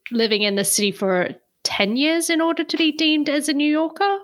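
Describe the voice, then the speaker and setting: A woman's voice: sits high, brisk, fairly bright tone. A woman co-hosting a podcast, chatty and giggly, often trailing off with fillers. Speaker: podcast co-host. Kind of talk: casual podcast chat.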